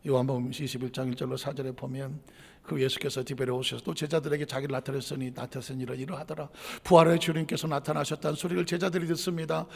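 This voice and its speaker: A male pastor preaching a dramatic sermon, swinging from loud declarations to near-whispers, in a church sanctuary with long reverb. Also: mid-range voice, little pitch movement, fast talker, gravelly, slightly rough.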